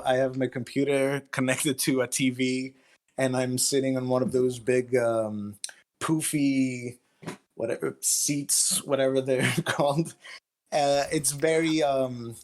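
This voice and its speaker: A man speaking as a writer being interviewed, explaining things casually in a halting, thoughtful way. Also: mid-range voice, steady tone. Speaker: interview guest, fiction writer.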